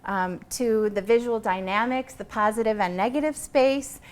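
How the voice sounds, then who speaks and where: A woman's voice: fairly high pitch, moderate pace. A woman giving earnest, explanatory answers as an interview guest in a conversational style. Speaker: guest, painter and creativity consultant.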